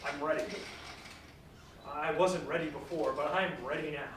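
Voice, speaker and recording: A man in a staged reading playing a weary, defiant condemned Christian, speaking solemnly and deliberately. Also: fairly high pitch, fairly even intonation, natural voice. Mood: exhausted, accepting. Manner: solemn, deliberate, earnest declamation. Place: large reverberant performance space, staged reading. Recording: echoey hall from far off, faint noise.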